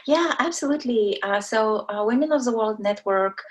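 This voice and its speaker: A woman's voice: a little high, normal speed. A woman in her forties from Kazakhstan, whose first language is Russian, talking as a podcast guest in a hesitant way with many ums and restarts. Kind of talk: casual interview talk.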